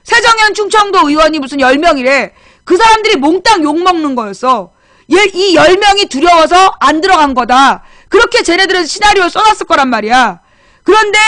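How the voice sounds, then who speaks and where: A woman's voice: very high voice, pushed and bright, no room sound. A woman hosting a political talk show, chatting bluntly and scolding, repeating her points for emphasis. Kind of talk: casual political commentary chat.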